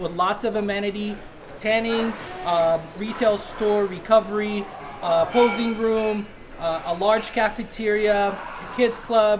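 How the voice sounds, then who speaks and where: Over noticeable background noise, a high-pitched man speaks at a fairly slow pace with fairly even intonation. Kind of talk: interview-style promo talk. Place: gym.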